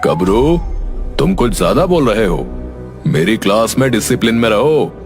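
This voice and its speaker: A man's voice: lowish voice, sing-song, moderate pace. A man voicing a strict, stern male schoolteacher in a cartoon, giving orders in a commanding tone. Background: background music.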